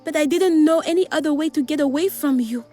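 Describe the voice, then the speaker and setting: A woman's voice: sits high, fairly quick, dark tone, faint music behind, lightly acted. A woman acting a fiery, scornful young gangster's lover in a video game, emphatic and melodramatic. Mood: regretful, firm.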